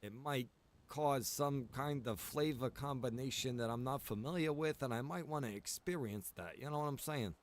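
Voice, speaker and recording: A man's voice: medium pitch, normal speed, lightly acted. A man acts out an easygoing survivor in an online game roleplay. His voice is mid-range, and he wanders through small talk in a hesitant, mild-mannered way. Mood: mildly curious.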